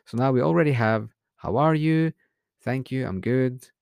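A man hosting a podcast, giving a relaxed, unscripted language lesson, reading example phrases slowly and translating them. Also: medium pitch, vocal fry, no room sound, studio quality. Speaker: podcast host, language teacher. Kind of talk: casual spoken language lesson.

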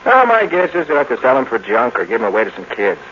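An American actor playing a skeptical, easygoing boyfriend in a 1950s radio drama, talking in a colloquial, grumbling way. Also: male voice, mid-range voice, wildly swooping pitch, quick pace. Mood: skeptical, amazed. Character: skeptical, easygoing boyfriend giving a robot orders. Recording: muffled noisy old radio recording.

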